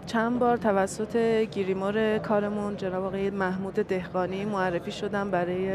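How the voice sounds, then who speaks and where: A young woman with an Azerbaijani-tinged accent speaks slowly and thoughtfully, filling gaps with soft hums as she picks her words. Her pitch stays flat and even, and a steady murmur of people sits behind her on a studio lapel mic. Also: a crowd in the background. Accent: Azerbaijani-tinged Persian. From Ardabil, Iran. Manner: hesitant, thoughtful, many pauses and fillers. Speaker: actress guest. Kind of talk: interview answers. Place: indoor TV studio set.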